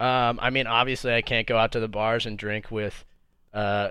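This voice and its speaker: A man at a medium pitch, bright and sharp in tone, flat and monotone, at a fairly quick pace. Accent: Californian. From California, Fresno. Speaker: air force pilot trainee. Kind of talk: casual chat.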